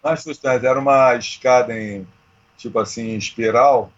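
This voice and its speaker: A man of around sixty with a husky voice, chatting informally and slangily as he tells stories. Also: mid-range voice, steady tone, moderate pace, lo-fi sound. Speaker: amateur triathlete, interview guest. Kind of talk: casual chat, storytelling.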